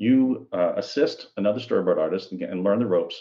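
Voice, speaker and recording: A man talking at a very fast pace. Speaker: animation writer and storyboard artist. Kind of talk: interview. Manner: hesitant, with fillers.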